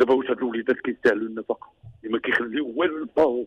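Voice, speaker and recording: A man with a Moroccan accent, medium-pitched, fairly quick, with fairly even intonation. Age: 50s. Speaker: caller. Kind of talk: call-in question.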